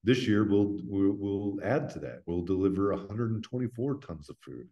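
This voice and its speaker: A man's voice: lowish voice, animated, moderate pace, muffled recording. A middle-aged American man speaking as an interview guest, earnest and plain-spoken, explaining things conversationally and often checking in with "right?". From United States. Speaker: interview guest, veterans' foundation representative.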